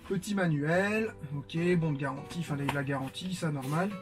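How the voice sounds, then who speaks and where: A man's voice: fairly high pitch, moderate pace, music in the background. A man from France chatting casually to viewers while unboxing, with lots of fillers. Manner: chatty, many fillers, warm greetings to viewers. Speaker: vlogger.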